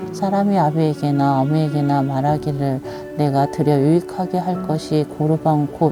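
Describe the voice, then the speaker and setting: Over music in the background, a woman with a very deep, low pitch speaks at a moderate pace. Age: old. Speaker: Bible reader. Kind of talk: Bible reading.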